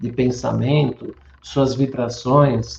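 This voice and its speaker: Very slowly, a man speaks at medium pitch with a dark, mellow tone and vocal fry. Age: 60s. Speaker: spiritist study teacher. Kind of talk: lecture.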